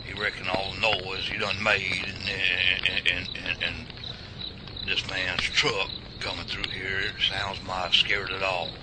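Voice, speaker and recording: Man playing a deep-voiced old country fellow, folksy drawl, crickets loud behind. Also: level tone, measured pace. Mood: grumbling. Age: older. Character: older rural backwoods man Mister Jessup. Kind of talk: amateur radio drama. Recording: loud outdoor noise, crickets.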